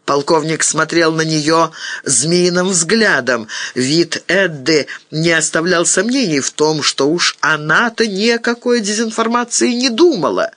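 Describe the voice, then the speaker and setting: A man reading a novel aloud as an audiobook, in an expressive, dramatic way. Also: a little high, measured pace, no room sound. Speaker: audiobook narrator.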